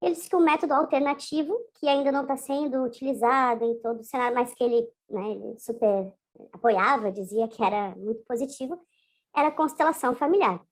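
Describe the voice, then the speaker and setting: A woman guest in a video interview recounts her story casually and hesitantly, restarting often, her fairly high, brisk voice disguised by a voice changer.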